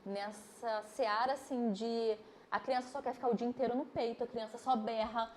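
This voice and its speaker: A woman, an osteopath and physiotherapist, explains things step by step on a podcast, with lively examples. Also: a little high, normal speed, slight background noise. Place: podcast studio.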